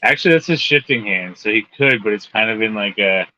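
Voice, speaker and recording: A man co-hosting a casual chat, explaining things in a rambling, halting way. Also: fairly low pitch, animated, sharp tone. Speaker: podcast co-host. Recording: dull lo-fi audio.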